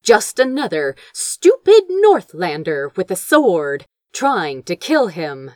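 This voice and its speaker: A woman's voice: on the low side, slow, no room sound, clean studio sound. A woman reading fiction aloud as dramatic, theatrical narration. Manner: expressive, theatrical storytelling. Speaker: audiobook reader of fan fiction.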